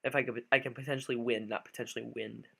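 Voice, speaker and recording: A man with a slightly raspy, just-woken-up voice, talking through a game live with many fillers and restarts. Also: mid-range voice, steady tone, quick pace, pushed and bright. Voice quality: a little raspy. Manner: thinks aloud with frequent fillers and restarts. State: just woke up. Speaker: gaming commentator. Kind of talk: live gameplay commentary.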